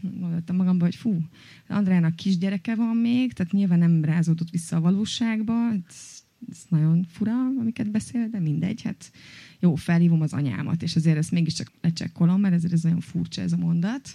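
Woman storyteller, chatty and halting, warm tone, close and dry. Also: lowish voice, creaky, dry recording. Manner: chatty, many fillers and hesitations. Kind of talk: personal story told on stage.

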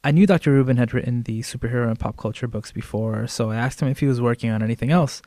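A man's voice: mid-range voice, quick pace, mellow, no room sound, clean studio sound. A man hosting a podcast, introducing interview segments with enthusiasm and filler ums. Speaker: podcast host. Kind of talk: podcast narration between interview clips.

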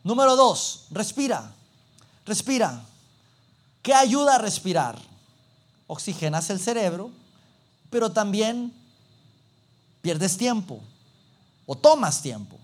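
A man preaching a sermon, animated and acting out little everyday scenes. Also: high-pitched, takes it slowly, pauses often.

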